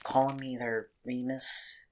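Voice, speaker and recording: A man playing a gentle but quietly firm young vampire in an audio drama, soft-spoken and hesitant. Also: medium pitch, flat delivery, slow, close to an everyday voice, low-quality recording. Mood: calm, loyal.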